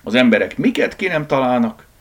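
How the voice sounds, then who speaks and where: A man's voice: medium pitch, big pitch swings, pitched above the performer's own voice. A man voicing a timid black house cat who wonders and mutters uneasily. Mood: wondering.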